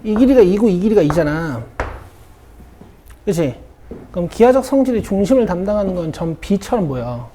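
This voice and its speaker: A woman's voice: medium pitch, very animated, normal speed, pauses often, mellow, a little hiss or hum. A woman math teacher leading a classroom lesson, who keeps checking in with her students as she works through a problem. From South Korea. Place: academy classroom.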